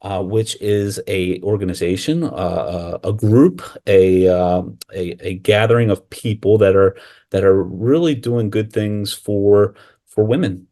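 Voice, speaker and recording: Low-voiced man hosting a podcast, halting. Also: mellow. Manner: halting, many "uh" fillers and restarts. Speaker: podcast host.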